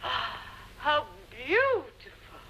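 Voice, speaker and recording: A woman's voice: high-pitched, very animated, very slow, noisy background, heavily acted. An actress playing a doting, admiring wife who gushes over her husband, in a 1950s television drama. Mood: adoring. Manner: gushing, breathy admiration.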